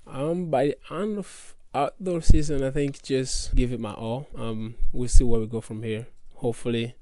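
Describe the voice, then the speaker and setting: A young man talks through his answers in an earnest, easygoing way, leaning on fillers. His tone is dark and mellow. The recording is dry and close. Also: medium pitch, steady tone, moderate pace, no echo. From Congo. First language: French. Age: young adult. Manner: earnest, loose phrasing with many fillers. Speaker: college athlete guest. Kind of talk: casual interview answers.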